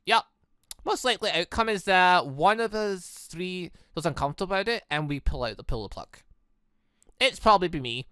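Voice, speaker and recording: Gamer doing lets play commentary, super animated, bright voice, dry close sound, bit of music under it. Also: medium pitch, fairly quick, smooth, dry recording. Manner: animated, exclamatory reactions. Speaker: gaming YouTuber, let's player. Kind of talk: commentary and read-aloud of a visual novel game. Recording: music behind the voice.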